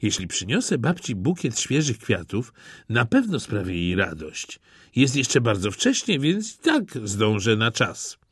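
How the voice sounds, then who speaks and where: A man voicing an innocent, trusting little girl in a red hood, in a high, sweet storybook voice. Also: huge pitch swings, measured pace, husky, no echo, studio quality, full character voice. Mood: wondering.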